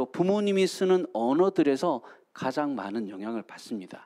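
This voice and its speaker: The tone is dark and mellow, with very wide pitch swings. The delivery moves at a fairly slow pace. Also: man. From Gyeongsang, South Korea (Pohang, North Gyeongsang; then Busan). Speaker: pastor. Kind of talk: sermon. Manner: hesitant with many fillers.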